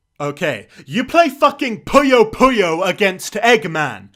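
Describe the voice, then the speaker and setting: With music playing in the background, a man's voice moves through very wide pitch swings. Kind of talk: comedic game review.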